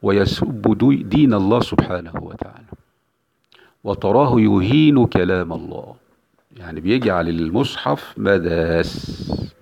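A man's voice: on the low side, lively intonation, a little slow, gravelly, darkish tone, husky. A male Islamic preacher giving an emphatic religious lecture, repeating key phrases for weight. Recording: dull lo-fi recording.

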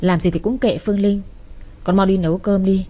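A bossy middle-aged mother who snaps orders at her daughter, brusque and mellow-toned, as a woman narrator plays her. Her scolding is short and sharp in wording. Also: mid-range voice, fairly even intonation, brisk, natural voice.

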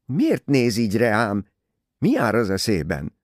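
A man's voice: on the low side, huge pitch swings, no echo, clean studio sound, voice pushed up. A man voicing a defiant, nervy young woman in an audiobook, snapping with indignation. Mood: sharp, defensive.

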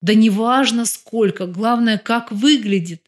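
Woman narrator voicing a brash, sharp-tongued lady crime boss, audiobook. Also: fairly high pitch, a little slow, natural voice. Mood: defiant. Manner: sharp, cutting.

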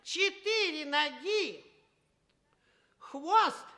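An actor playing a silly old commedia dell'arte fool, hesitant, stuttering and childlike, in a comic radio stage play. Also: male voice, very high-pitched, lively intonation, extremely slow, pushed and bright, full character voice. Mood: childish delight.

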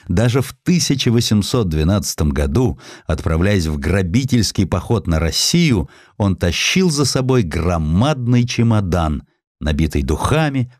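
A man's voice: low voice, darkish tone, no room sound, clean studio sound. A man narrating a historical essay as a scripted audiobook, reading expressively and acting out the quotes.

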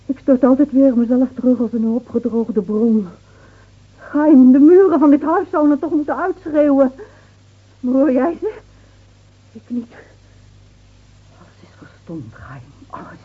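A woman acting an anguished, desperate woman in a theatrical radio drama, pleading and shifting between outcries and breathy whispers. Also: high voice, lively intonation, a little slow, pauses often, exaggerated voice. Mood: agitated pleading. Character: anguished, desperate woman dreading her beloved Manuel's return. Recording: tinny, band-limited old radio play recording.

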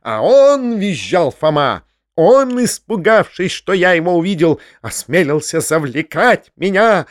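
A man reading an audiobook, voicing a pompous, self-righteous older male hypocrite who shrieks in a high, preachy voice. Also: very animated, measured pace, few pauses, no room sound, studio quality. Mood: shrieking fury. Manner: sanctimonious, preachy, hysterical.

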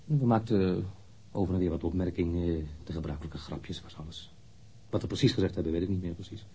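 A guarded witness in a radio play, an engineer with a low, mellow and very husky voice. He answers curtly and reluctantly, with an irritable edge. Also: steady tone, a little fast, heavily acted. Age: 30s. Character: reluctant, guarded thirty-three-year-old male engineer being questioned. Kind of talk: radio drama acting.

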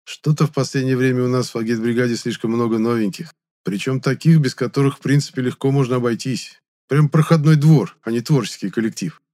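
A man voicing a sharp-tongued young male hero who talks bluntly and scolds. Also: medium pitch, fairly quick, pitched above the performer's own voice, natural voice. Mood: wry.

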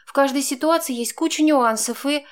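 A woman reader voicing a young woman who bristles and argues heatedly with her partner, in a much higher voice than her own. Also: close to an everyday voice. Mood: indignant. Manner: indignant, quick to flare up.

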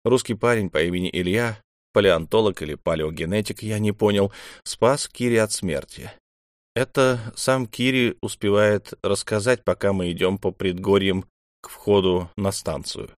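A man reading a first-person novel aloud in a calm, measured way. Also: fairly low pitch, no echo, clean studio sound. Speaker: audiobook narrator. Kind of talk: first-person audiobook narration.

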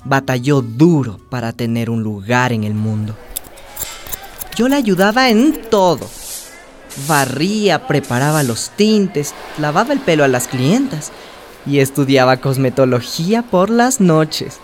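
Low, slow, expressive young trans woman. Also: faint music behind, heavily acted. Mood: reflective narrating. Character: young trans woman telling her life story, hopeful, sensitive. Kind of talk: radio drama narration and dialogue.

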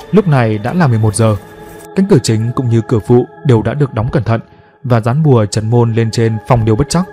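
A man tells a scripted horror story in a steady, dramatic way. His voice sits in a middle pitch. Soft music plays faintly behind him.

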